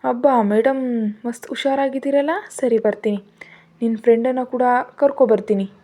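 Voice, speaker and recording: A cheeky young man joking affectionately on the phone in a storybook tale, as a woman reads his part. The voice stays mellow and a little high. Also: steady tone, moderate pace, close to an everyday voice. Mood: teasing. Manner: teasing, affectionate.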